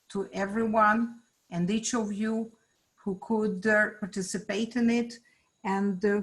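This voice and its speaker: A woman presenting at a school gathering, giving a formal welcome with many halting restarts and fillers. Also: mid-range voice, a bit bright, poor audio. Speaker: event presenter.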